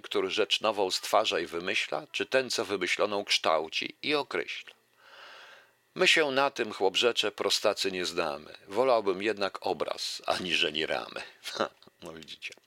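Deep, bright-toned man reading fables theatrically. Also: no echo. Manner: theatrical, emphatic reading with chatty asides. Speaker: reader and lecturer. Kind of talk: reading fables aloud with commentary.

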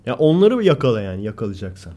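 A man co-hosting a casual podcast chat, telling stories animatedly and acting out the loud lines of the people in them. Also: mid-range voice, fast. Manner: animated storyteller, acts out quoted shouting. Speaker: podcast co-host.

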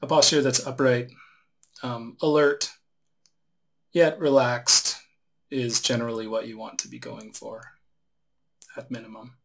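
A man guiding a relaxation meditation as a teacher, giving unhurried instructions with long pauses. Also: medium pitch, level tone, gravelly, a bit bright.

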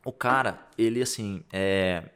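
A man's voice: lowish voice, measured pace, clear, resonant tone. A young man, a podcast co-host telling a personal story in casual chat, acting out the dialogue with lots of slang. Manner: animated storyteller, acts out dialogue with shifting voices, peppers speech with slang.

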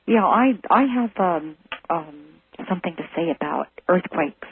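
A chatty, curious woman caller on a tinny phone line with faint hiss behind her. Her voice sits fairly low for a woman, and she keeps filling gaps with ums as she asks question after question. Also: animated, moderate pace. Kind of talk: call-in chat.

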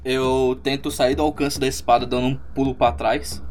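A Brazilian man with a mid-pitched voice describes his character's actions in casual table talk. Music plays behind him. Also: little pitch movement, normal speed, darkish tone. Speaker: player in a tabletop game. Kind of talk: casual game chat describing own moves.

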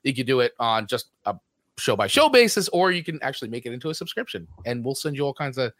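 A man's voice: mid-range voice, very animated, fast, a bit bright, no room sound, studio quality. A man with a New Jersey accent co-hosting a podcast, chatting casually and rambling through show plugs. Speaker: podcast co-host. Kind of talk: casual chat.

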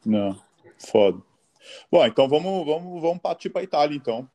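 Guy hosting a chat, short replies, swooping pitch, mellow tone. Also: expressive, fairly quick. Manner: short reactions, casual questions. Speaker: host. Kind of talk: casual interview.

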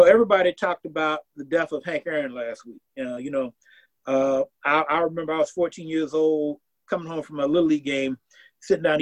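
A Southern American man of about sixty appears as an academic guest in a casual interview, speaking earnestly and restarting phrases as he thinks aloud. His voice is on the high side, and the audio is poor.

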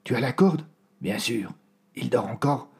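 A man voicing an impatient ship captain who gives curt, hushed commands. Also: mid-range voice, expressive, measured pace, creaky, slightly rough, full character voice.

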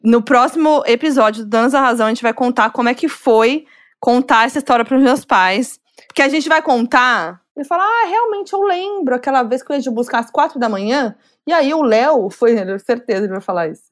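A woman's voice: high voice, expressive, fairly quick. A woman hosting a podcast, playful and chatty as she introduces the next segment. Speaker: podcast host. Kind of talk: casual podcast chat.

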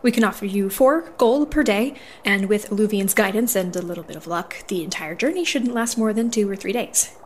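A woman's voice: medium pitch, a little fast, a little hiss or hum, natural voice. Prickly, earnest dwarven paladin played by a woman. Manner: firm, formal, businesslike. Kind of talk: audio drama dialogue.

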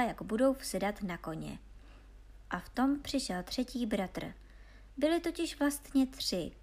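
A woman calmly reading a fairy tale aloud as storyteller. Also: medium pitch.

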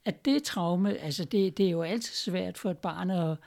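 A woman's voice: lowish voice, gravelly, darkish tone. A woman guest in a conversation, explaining her views and often checking in with tag questions. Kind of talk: reflective conversation.

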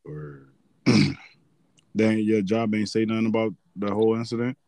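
Male co-host, African American English, low dark voice, dry close sound, slangy casual banter. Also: normal speed, no echo. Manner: slangy, profane, interjecting. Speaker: podcast co-host. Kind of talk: casual chat.

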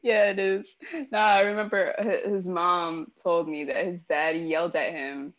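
A young woman in casual chat, blunt and profane, talking in an animated way. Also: fairly low pitch, unhurried, lo-fi sound. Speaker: interviewee. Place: New York.

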